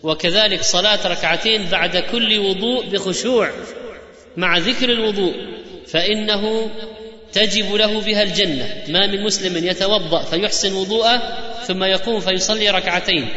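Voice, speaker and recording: A man giving a religious lecture, rattling off quoted sayings in a lively preaching cadence. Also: high-pitched, moderate pace. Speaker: Islamic preacher. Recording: echoey hall, dull lo-fi sound.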